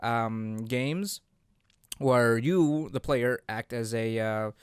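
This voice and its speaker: A man's voice: medium pitch, drawn-out words, clear, resonant tone, dry recording, studio quality. A man co-hosting a casual podcast chat, talking hesitantly and often searching for his words. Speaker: podcast co-host.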